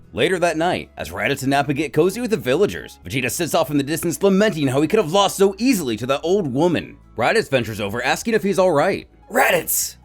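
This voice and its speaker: A man telling an animated adventure story in scripted, dramatic narration. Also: a little high.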